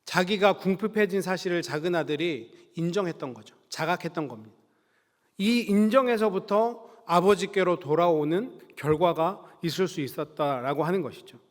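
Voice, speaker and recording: A male pastor preaching a Sunday sermon in a church sanctuary, earnest and measured, slowing down to stress key words. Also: high voice. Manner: earnest, measured preaching with slow emphatic stretches. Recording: reverberant church hall.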